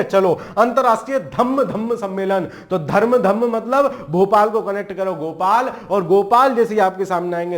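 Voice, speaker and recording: A man teaching an exam-prep lesson in a casual, joking way, with memory tricks and frequent check-ins, speaking. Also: high voice. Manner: chatty, jokey memory tricks, frequent "ठीक है".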